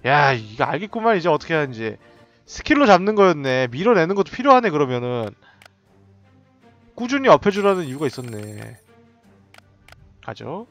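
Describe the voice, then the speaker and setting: A man giving excited, running commentary while playing a tower defense game, often laughing and reacting out loud. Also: a little high, moderate pace, long pauses, soft background music. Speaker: game streamer. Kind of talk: live gameplay commentary.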